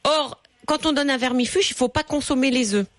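A woman's voice: sits high, a little fast, dry recording. A woman veterinarian giving chatty, patient advice to callers on a radio show. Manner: chatty, explanatory, many fillers.

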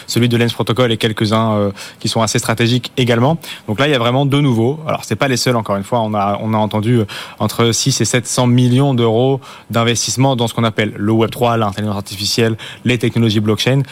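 A man's voice: mid-range voice, fairly even intonation. A man, a guest on a studio talk show, explaining things with frequent hesitations and restarts. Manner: fast, with many fillers and restarts. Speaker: guest, content director of a crypto media outlet. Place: broadcast studio.

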